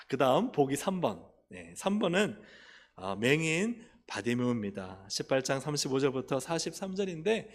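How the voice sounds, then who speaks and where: A male pastor giving an animated children's Sunday sermon for all ages, asking the congregation questions and leading them in reading together. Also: high-pitched. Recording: reverberant church hall.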